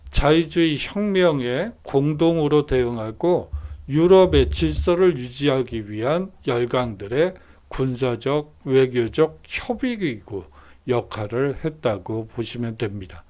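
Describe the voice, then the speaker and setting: A man's voice: medium pitch, darkish tone. A man giving a recorded university history lecture, explaining steadily with frequent hesitation fillers.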